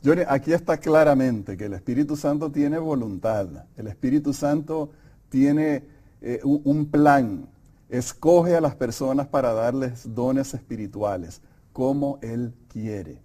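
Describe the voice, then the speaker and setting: A middle-aged man co-leading a Bible study, calm and affirming as he reads scripture and comments. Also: medium pitch, unhurried. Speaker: Bible lesson co-presenter. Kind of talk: conversational Bible study lesson.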